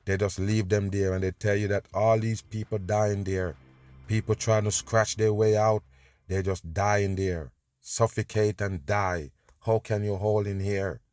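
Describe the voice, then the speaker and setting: A man's voice: lowish voice, steady tone, measured pace, a little mellow, no room sound. A male host reacting to video clips with emphatic, scornful commentary, urging listeners to pay attention.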